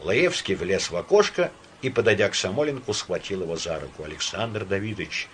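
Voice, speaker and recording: A man narrating a classic novella as an audiobook reader, expressive and measured. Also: deep voice, a little hiss or hum. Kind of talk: literary narration.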